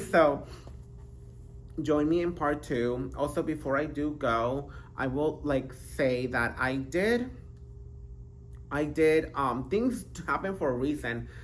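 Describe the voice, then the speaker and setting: A man's voice: fairly high pitch, slow, slight background noise. A man hosting his own podcast alone, talking casually and rambling, interrupting himself with giggles and breaking into playful sing-song bits. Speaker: podcast host. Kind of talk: casual solo vlog monologue. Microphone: handheld microphone.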